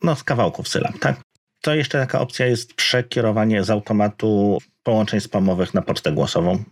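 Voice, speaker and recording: Low gravelly man in tech chat. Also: moderate pace. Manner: explanatory, searches for words mid-sentence. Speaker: podcast co-host.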